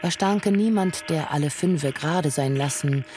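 A narrator reading a radio play story in a calm, measured way. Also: mid-range voice, over music.

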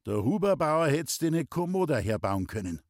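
A man reading an audiobook, voicing a gruff older pipe-smoking man in a Bavarian accent, blunt and grumbling. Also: fairly high pitch, very animated, moderate pace, darkish tone, no echo, studio quality, voice pushed up.

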